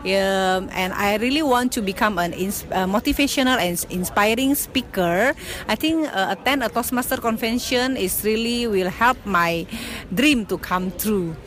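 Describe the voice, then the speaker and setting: A woman's voice: medium pitch, normal speed. Passionate woman. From Indonesia. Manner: warm, passionate, with hesitant fillers. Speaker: convention attendee.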